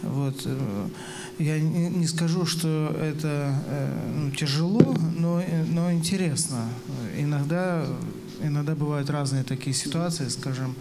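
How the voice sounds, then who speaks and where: A man in his fifties giving conversational answers as a pastor on a panel, measured, pausing between short phrases. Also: fairly high pitch. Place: stage in a church hall. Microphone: handheld microphone. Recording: clearly noisy room ambience.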